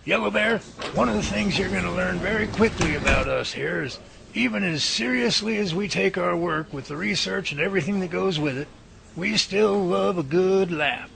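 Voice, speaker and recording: A man's voice: high-pitched, normal speed, vocal fry, noisy background. A man playing a folksy, confident research professor in a radio drama, explaining things and taking charge. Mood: friendly, explanatory. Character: folksy, confident professor leading Bigfoot research, good-humored.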